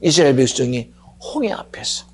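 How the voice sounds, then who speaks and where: A male pastor preaching a sermon in a gravelly, very raspy voice, dropping to hushed whispers and then rising to shouts. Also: mid-range voice, very animated, a little fast.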